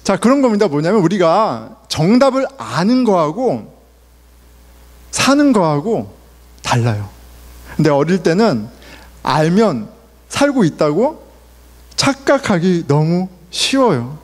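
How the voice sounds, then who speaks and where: Guy pastor preaching, high lively voice, long echo from the church hall. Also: slow pace, pauses often. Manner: conversational preaching with rhetorical questions to the congregation. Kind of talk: sermon. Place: church sanctuary.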